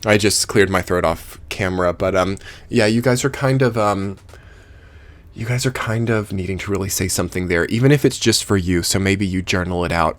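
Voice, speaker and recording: A man's voice: deep voice, a bit bright. A man giving a rambling, earnest tarot reading to his viewers and noting that he is losing his voice. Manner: rambling, earnest, with many fillers. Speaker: tarot reader. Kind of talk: casual tarot reading to camera.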